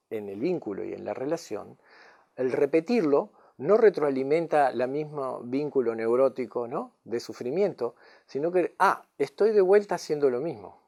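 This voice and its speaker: Man, spiritual teacher, mid-range pitch, relaxed dark tone, reflective teaching talk. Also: gravelly. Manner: tags lines with questioning "mm?" and "no?" to check understanding.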